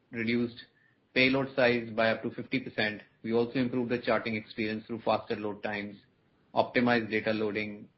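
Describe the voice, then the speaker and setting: A man, a company executive, formally reading a scripted earnings presentation on a conference call. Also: fairly low pitch. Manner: formal, reading prepared remarks. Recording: muffled conference line, background noise.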